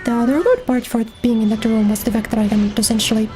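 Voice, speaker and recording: A woman's voice: a little high, quick pace. Chatty woman streaming a game. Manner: chatty, thinks aloud, thanks subscribers. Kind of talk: casual gameplay commentary.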